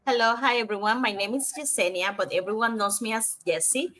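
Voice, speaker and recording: Bright-voiced woman co-host from Cuba. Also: fairly high pitch. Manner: reads lists of names and details, slightly halting. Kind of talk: online talk show.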